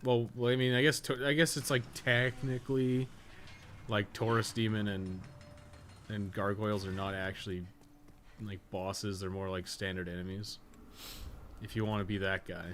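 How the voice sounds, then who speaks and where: A man with a fairly deep voice talks through a game on his livestream. He rambles casually in slangy language and swears freely. There is a faint layer of ambient noise behind his voice. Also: flat delivery, moderate pace, a bit bright. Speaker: livestreamer, podcast co-host. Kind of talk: casual gaming stream commentary. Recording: noticeable background noise.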